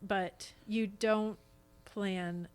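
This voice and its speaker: Casting: American woman, mid-pitched, conversational interview guest with an earnest, expressive delivery. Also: drawn-out words, clear, resonant tone, soft background music. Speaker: podcast guest, stage actress. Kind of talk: casual interview chat.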